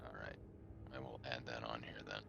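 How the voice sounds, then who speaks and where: A man's voice: a bass voice, flat delivery, moderate pace, gravelly, dull audio, background noise. A man chatting casually as a player in a tabletop game.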